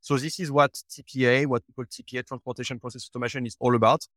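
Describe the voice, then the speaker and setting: Man pitching a startup product. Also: steady tone, fairly bright tone, dry recording, clean studio sound. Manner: pitching a product, slightly halting. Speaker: startup guest. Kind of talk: business interview talk.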